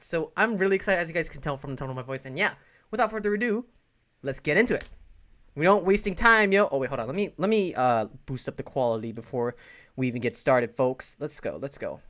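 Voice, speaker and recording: A man's voice: fairly high pitch, fairly bright tone. A young man giving casual, gushing, slangy reaction commentary as a video game YouTuber.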